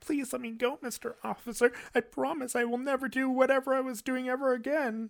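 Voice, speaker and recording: At a fairly quick pace, someone performs a put-on character voice with a fairly high pitch. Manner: mock pleading.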